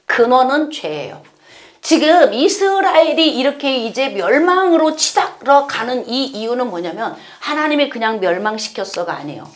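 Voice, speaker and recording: A woman's voice: sits high, normal speed. A woman pastor giving a Bible study sermon, acting out everyday scenes in quoted voices as she teaches. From South Korea. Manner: lively, acts out little scenes in quoted voices.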